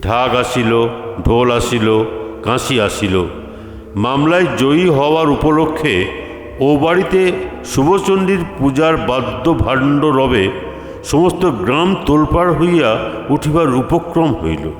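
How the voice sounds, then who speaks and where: Slow male storyteller in reverberant sound. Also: mid-range voice, lively intonation. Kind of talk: scripted literary story narration. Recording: echoey reverberant room, music behind.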